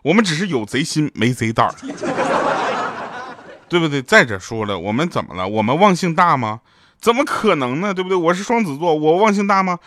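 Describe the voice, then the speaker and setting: A man's voice: fairly high pitch, moderate pace, no echo, studio quality. A man hosting a show, telling comic anecdotes and acting out the people in them. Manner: lively, acts out quoted people in changed voices, laughs at his own jokes. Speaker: show host. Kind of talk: comic storytelling monologue.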